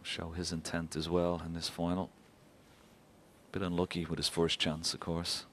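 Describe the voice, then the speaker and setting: A man commentates on live snooker in a hushed, measured way. His voice is very deep yet clear-edged and bright, with little rise and fall. Faint noise from the venue sits behind him. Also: little pitch movement.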